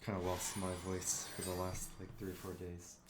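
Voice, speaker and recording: Hoarse low-voiced man streaming a game. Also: moderate pace, background noise. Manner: relaxed, thinking aloud about moves. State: hoarse from illness, coughing. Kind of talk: casual live-stream commentary. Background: game music.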